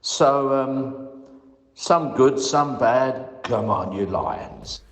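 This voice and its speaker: Recorded in an echoey, reverberant room, a man's medium-pitched voicemail to a podcast moves extremely slowly. As a critical fan, he methodically lays out his prepared opinion on a match point by point.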